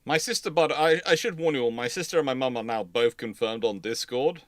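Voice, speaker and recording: A man hosting a naval history livestream, answering questions in casual chat with halting, repetitive phrasing. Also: medium pitch, no echo, clean studio sound.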